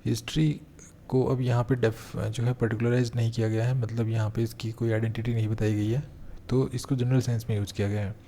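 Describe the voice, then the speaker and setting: Mellow-voiced man teaching a grammar lesson. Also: medium pitch, flat delivery, slight background noise. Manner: explains step by step, slows down to read example sentences aloud. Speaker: English teacher. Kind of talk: exam-prep grammar lesson.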